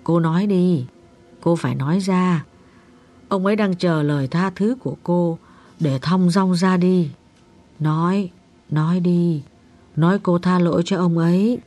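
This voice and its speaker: A man voicing an older woman psychic who speaks gently but insistently, in an audiobook story. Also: high voice, measured pace, long pauses, faint music behind, pitched above the performer's own voice. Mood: urging. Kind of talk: audiobook character voice.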